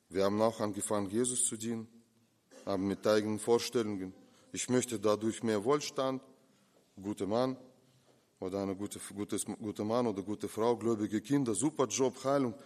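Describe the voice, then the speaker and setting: A man's voice: lowish voice, normal speed, long pauses. Preaching man in an echoing hall. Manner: impassioned, swings between loud and hushed. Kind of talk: sermon. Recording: long reverb of a hall.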